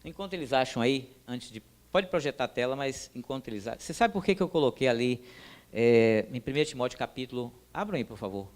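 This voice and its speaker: A man teaching a church class in a sermon style, emphatic and animated, speaking directly to his listeners. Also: medium pitch, quick pace.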